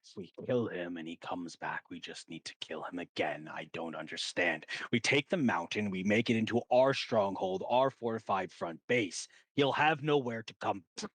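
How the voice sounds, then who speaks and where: A blunt male warrior who wants to charge ahead, as a man voices him. He speaks low and impatient, in a dry close sound. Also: normal speed, hardly any pauses, fairly bright tone, breathy edge, no echo.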